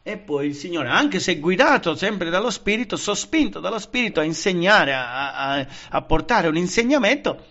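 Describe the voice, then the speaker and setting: A man's voice: high-pitched, normal speed, hardly any pauses, highs cut off. A man preaching a Pentecostal Bible study, emphatic and engaging, often checking that his listeners follow. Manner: lively, emphatic, often asks the listeners "vedete?" and "capite?"; frequent fillers and restarts.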